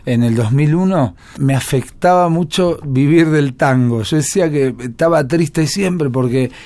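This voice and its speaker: A man's voice: on the high side, unhurried, a little mellow. A man with an Argentine accent, a musician guest telling stories in a chatty, reflective way. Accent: Argentine Spanish. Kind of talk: casual interview talk.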